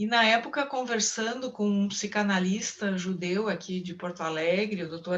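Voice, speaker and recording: A woman with a German accent speaks in a somewhat breathy voice. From Brazil, German immigrant community. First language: German (speaking Portuguese). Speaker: psychoanalysis and theology researcher. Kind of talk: online lecture.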